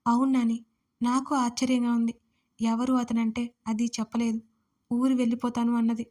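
A woman's voice: a little high, level tone, normal speed, dark tone, close to an everyday voice. A woman voicing a stern old grandmother who scolds and reproaches her grandson in an audio story. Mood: sorrowful.

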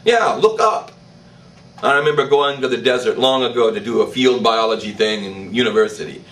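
An older man, a priest, preaching a sermon in church, slow and emphatic, with declarations that rise in pitch. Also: a bit bright, far from the mic, low-quality recording. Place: church, indoors. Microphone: stand mic in front.

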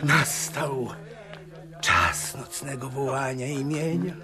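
A man's voice: mid-range voice, slow, music in the background, close to an everyday voice. An actor playing a zealous, self-important Hasidic holy man's gatekeeper in a radio drama, declaiming with singsong indignation. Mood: fervent. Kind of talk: Polish radio drama acting.

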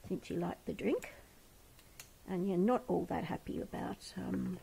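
Soft-spoken woman with a gravelly voice. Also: on the low side, a little slow, poor audio. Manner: soft, coaxing, often whispering. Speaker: bat rescuer and carer. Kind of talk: gentle commentary while feeding an animal. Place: home kitchen, indoors.

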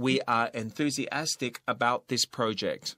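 A man's voice: mid-range voice, extremely slow, pushed and bright, no echo. A man co-hosting a radio English lesson in Thai and English, patiently spelling words out letter by letter. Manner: switches between Thai and English. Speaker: English teacher co-host. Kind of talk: radio language lesson chat.

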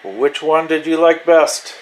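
Male hobby vlogger, casual and unhurried, loosely thinking aloud, slow delivery. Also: on the high side, rough recording. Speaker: radio hobbyist demonstrating receivers. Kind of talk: casual vlog demonstration. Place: small indoor radio desk.

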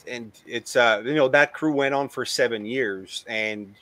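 Thirties male host, mid pitch, dry close sound, halting fan questions on a video call. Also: sharp tone, dry recording. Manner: hesitant, many ums before questions. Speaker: interview host. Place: home room with collectibles, video call.

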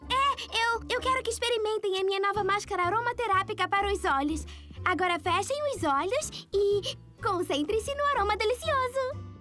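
A woman's voice: very high voice, normal speed. A woman with a Brazilian accent voicing an eager, flustered young girl hairdresser in a cartoon dub. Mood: eager, soothing. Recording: loud music behind the voice.

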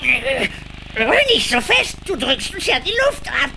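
A flippant little cartoon woodpecker. The voice is high and swoops a lot, cheeky and brisk, with noise behind. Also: female voice, sing-song, sharp tone, full character voice. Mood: squeezed, annoyed. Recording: clear background noise.

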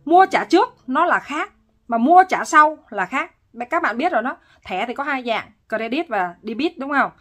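Animated Vietnamese-speaking woman counselor, higher voice. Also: normal speed, soft background music. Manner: lively, laughs often, dramatic emphasis. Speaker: relationship counselor. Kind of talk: casual advice monologue.

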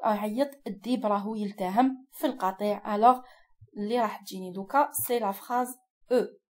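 A woman's voice: mid-range voice, very fast, a little mellow. A woman teacher with an Algerian accent, explaining a lesson patiently step by step and checking in with her students.

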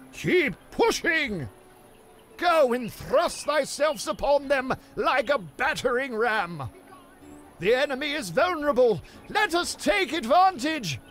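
Flamboyant game knight, camp, theatrical, very high voice, swoops up and down. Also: male voice, a bit bright, full character voice. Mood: rallying. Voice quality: high, theatrical mock-Elizabethan delivery. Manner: camp, preening, full of double meanings. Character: flamboyant, innuendo-prone medieval male knight, theatrical. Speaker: voice actor. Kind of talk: video game voice lines.

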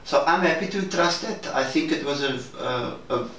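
A man speaking in a measured, hesitant and formal way in a reflective debrief conversation. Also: fairly high pitch. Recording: roomy, distant mic, faint noise.

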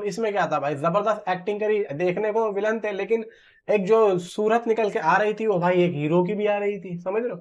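A man, giving informal film commentary to camera in an emphatic, conversational way and repeating phrases for stress. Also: high voice. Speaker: film news vlogger. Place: small room at home, indoors. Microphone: clip-on lapel mic. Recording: slightly dull, muffled sound.

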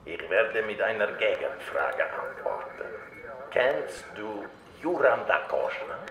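A man's voice: big pitch swings, fairly bright tone, echoey room, exaggerated voice. An actor playing a menacing, taunting museum watchman with a Russian accent and a mocking, playful manner in an audio drama. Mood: taunting, cryptic. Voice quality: gravelly, low. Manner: slow, mocking, teasing.

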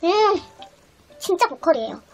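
A young adult woman vlogging a mukbang, chatting excitedly to the camera and humming as she tastes food between bites. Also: extremely high pitch, measured pace. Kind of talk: casual chat while eating on camera. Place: small indoor room, then a busy restaurant. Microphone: camera on the table in front of her. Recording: background music and restaurant chatter.

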